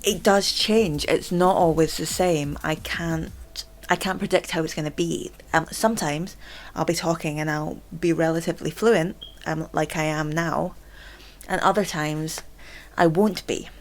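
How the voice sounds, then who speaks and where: A young woman hosting a casual vlog chat. She stammers, repeating words and filling pauses with "um" and "like". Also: low voice, steady tone, a little hiss or hum. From Scotland. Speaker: channel host.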